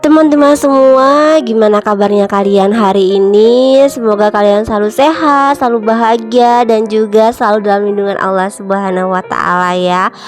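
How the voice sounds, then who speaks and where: A woman in her thirties narrating a home cleaning vlog, her voice a little nasal from a cold, chatting warmly to viewers she calls moms and friends. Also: mid-range voice, normal speed, hardly any pauses. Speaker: home vlogger, mother. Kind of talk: casual chatty voice-over narration. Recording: faint music behind voice-over.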